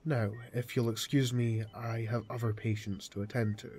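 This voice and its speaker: A man playing a calm, formal hospital doctor in an audio drama, speaking in a measured, matter-of-fact way. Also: medium pitch, a little hiss or hum, lightly acted. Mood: firm, formal. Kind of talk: amateur audio drama acting.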